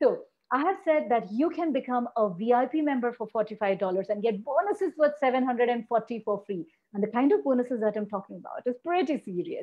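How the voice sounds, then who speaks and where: In an energetic tone, a high-pitched woman speaks at a moderate pace with very wide pitch swings against a quiet background. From India. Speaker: business coach. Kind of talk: webinar talk. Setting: virtual retreat session. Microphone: video call.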